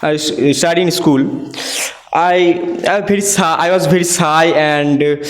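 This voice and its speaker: A young man with a South Asian accent practising public speaking as a student, in halting learner English. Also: fairly high pitch, steady tone. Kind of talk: practice speech, repeating after a teacher. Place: indoor classroom. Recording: noisy echoey classroom.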